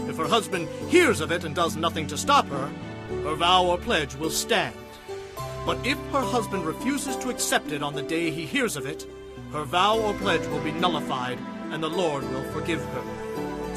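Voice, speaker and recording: An actor playing a stern, commanding male prophet and lawgiver in a dramatized audio Bible, speaking with declamatory authority. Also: sits high.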